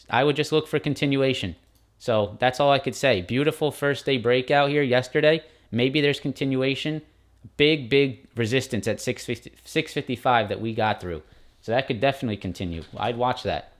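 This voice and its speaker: Male streamer, mid-pitch, loose and quick chart talk to viewers. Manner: quick, informal, addresses viewers as guys. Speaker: stock market live stream host. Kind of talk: casual chart walkthrough.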